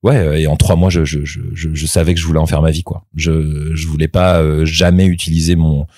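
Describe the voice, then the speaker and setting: A man's voice: very deep voice, level tone, a little fast, a little mellow, no echo, studio quality. A man in his thirties, a voice actor being interviewed, talking casually with many fillers and restarts. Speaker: voice actor guest.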